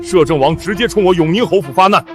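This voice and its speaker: Man acting as stern marquis father, costume drama, angry and commanding, highish animated voice, music behind. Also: quick pace, lightly acted. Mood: furious. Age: middle-aged. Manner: imperious, scolding. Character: stern, furious middle-aged marquis and father.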